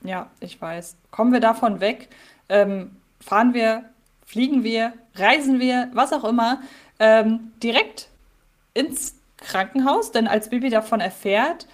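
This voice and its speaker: A woman's voice: fairly high pitch, unhurried. A woman co-hosting a podcast in casual chat, retelling a radio-play episode with many fillers. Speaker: podcast co-host.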